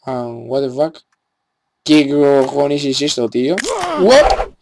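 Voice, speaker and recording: Gravelly, sarcastic young Spanish gamer man. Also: medium pitch, takes it slowly, a little mellow, slight background noise. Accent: Spain Spanish. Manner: sarcastic, exasperated, cursing. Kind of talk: gameplay commentary.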